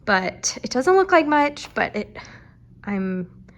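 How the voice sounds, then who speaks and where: A woman's voice: a little high, very animated, slow pace. A young woman, vlogging casually as a first-year teacher from her car and her classroom, chatty and rambling with many fillers. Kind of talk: casual vlog chat.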